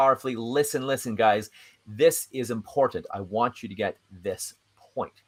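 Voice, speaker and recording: A man is speaking. His pitch is medium. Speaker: communication coach. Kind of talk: live workshop. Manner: fast.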